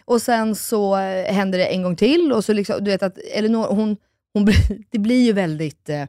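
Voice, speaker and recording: A woman co-hosting a podcast in casual chat, telling stories in a lively way and acting out what people said. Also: medium pitch, no room sound, clean studio sound. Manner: animated storytelling, acts out quoted exchanges. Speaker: podcast co-host. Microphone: studio microphone.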